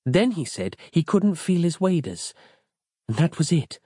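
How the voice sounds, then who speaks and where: A man lifts his voice into a capable woman agent in a storybook, clearly higher than his own voice. She speaks briskly and matter-of-factly. The recording is dry, with no room sound. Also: sing-song, dark tone, no room sound. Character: calm, capable female FBI agent.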